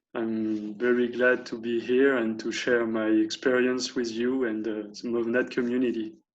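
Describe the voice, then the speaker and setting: Medium-pitched male speech with a French accent, monotone and flat in intonation, at a moderate pace with hardly any pauses. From France. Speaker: fitness trainer and civil engineer. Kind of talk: interview. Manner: halting.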